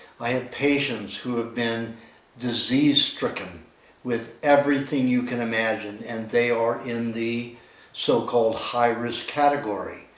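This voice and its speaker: Amid noticeable background noise and audible room echo, a man with a medium pitch speaks at a fairly slow pace with monotone, flat intonation. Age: 60s. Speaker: nutritionist. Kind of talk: advocacy monologue to camera.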